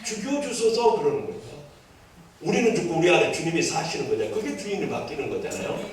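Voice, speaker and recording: A man's voice: on the high side, big pitch swings, fast talker. A male pastor from Jeolla with a Jeolla Korean accent, preaching a sermon in a church. He is emphatic, repeats key phrases and calls for amens from the congregation. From Jeolla, South Korea. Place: church sanctuary. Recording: echoey hall, voice from far off.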